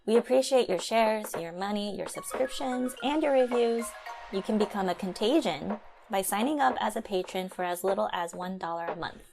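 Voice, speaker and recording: A woman's voice: medium pitch, moderate pace, gravelly. Upbeat woman co-hosting a podcast over music. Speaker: podcast co-host, health scientist.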